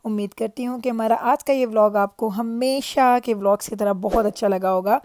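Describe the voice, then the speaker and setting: A woman's voice: on the high side, fairly even intonation, a little fast, a little mellow, no echo, clean studio sound. A middle-aged woman with a Pakistani accent gives a chatty, reflective vlog voice-over, mixing in English phrases. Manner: conversational, mixes in English phrases. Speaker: family lifestyle vlogger.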